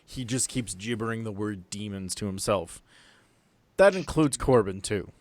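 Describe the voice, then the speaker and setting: A man's voice: on the low side, lively intonation, moderate pace, dry recording. A man narrating a tabletop roleplaying game as game master, explaining things in a conversational way. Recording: music behind. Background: background music.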